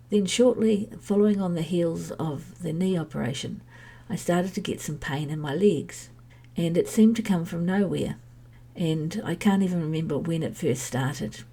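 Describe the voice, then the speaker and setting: Low, husky woman with a head cold. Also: mellow. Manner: candid, chatty, meandering. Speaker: podcast host sharing her health journey. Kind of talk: personal podcast monologue.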